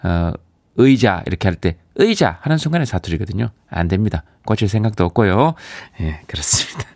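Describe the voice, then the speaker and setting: A man's voice: low-pitched, animated, a little fast, creaky, darkish tone, no echo. A man with a Daegu-Gyeongbuk accent hosting a radio show, casually chatting and reading out listener messages with easy laughs. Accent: Daegu-Gyeongbuk dialect. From Yeongcheon, South Korea. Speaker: radio host. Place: radio studio. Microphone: studio microphone.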